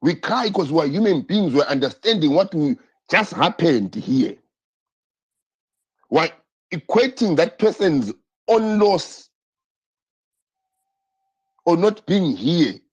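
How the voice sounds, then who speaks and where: A man's voice: a little high, sing-song, slow pace, pauses often, husky. A man hosting a political live stream, talking with passion, repeating himself and firing rhetorical questions. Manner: impassioned, repetitive, rhetorical questions. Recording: dull lo-fi stream audio.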